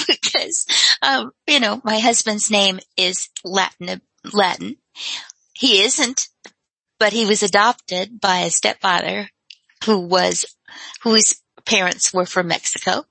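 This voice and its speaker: A woman calling in to a radio talk show, her voice bright and clear. She speaks reflectively and laughs lightly between thoughts. The sound is dry and close. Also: medium pitch, no echo, poor audio. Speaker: caller.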